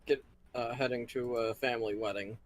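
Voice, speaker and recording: A man's voice: medium pitch, steady tone, moderate pace, no room sound. A man chatting casually as a panelist on an online call, with a dry, wry way of joking. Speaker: livestream panelist. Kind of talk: casual chat.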